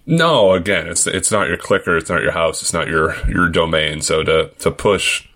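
A man's voice: low-pitched, normal speed, bright, forceful tone. A man with a Boston accent chatting casually as co-host of a sports podcast, with joking banter.

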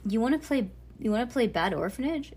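A woman's voice: a little high, animated, brisk, slightly rough. A woman voicing a bossy, tough young girl who orders other children about, from a storybook. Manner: loud, commanding, shrieking orders. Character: bossy, tough young neighbor girl playing cruel matron.

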